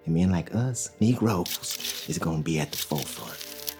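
An actor in an audio drama playing a young enslaved father who talks in a calm, plainspoken drawl. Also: low-pitched, a little slow, gravelly, over music, heavily acted. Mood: steady. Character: young enslaved male father, steady and hopeful.

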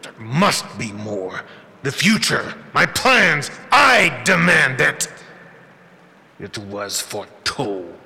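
An ancient fairy lord of the hunt, speaks with haughty command. His voice is sharp and forceful with a gravelly edge. It rings through a long reverb in a fantasy audio drama. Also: mid-range voice, sing-song, takes it slowly, heavily acted. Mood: cold, demanding.

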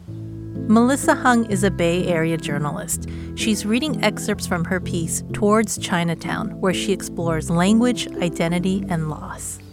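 A woman with a middle-pitched voice hosts a podcast in a clear, friendly, even tone. Her voice sits over a loud guitar music bed. She switches between scripted narration and questions to her producer. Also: measured pace. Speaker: podcast host.

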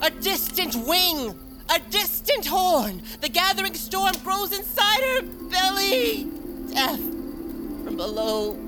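A woman playing a solemn tribal shaman who chants slow ritual incantations in a fantasy audio drama. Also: very high-pitched, sing-song, full character voice. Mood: wild, prophetic. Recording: music behind the voice.

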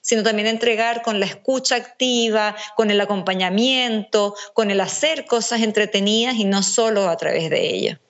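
A woman from Venezuela with an accent blended by years in Chile, explaining family nutrition in a measured, structured way as an interview guest. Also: medium pitch, dull audio. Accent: Venezuelan mixed with Chilean. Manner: measured, structured, lists points. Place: speaking remotely from home.

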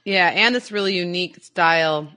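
A woman's voice: on the low side, pushed and bright, smooth, no room sound, studio quality. A woman with an American accent co-hosting a podcast, playful and teasing as she talks about animals. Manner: playful, teasing, quick to laugh. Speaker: podcast co-host. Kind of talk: casual educational chat.

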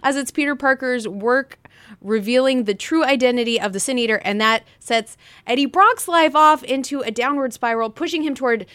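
A woman with a high voice, recorded close and dry, co-hosts a chatty podcast. Her delivery is playful and giggly, slipping jokey asides into what she presents. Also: moderate pace, fairly bright tone, no room sound. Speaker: podcast co-host. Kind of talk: playful comics chat podcast.

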